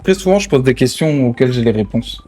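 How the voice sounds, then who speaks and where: A man's voice: mid-range voice, animated, fast talker, warm tone, soft background music. A man improvising dialogue in an online game roleplay, speaking in a commanding, slangy and casual way. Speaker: streamer role-playing a gang boss in an online game.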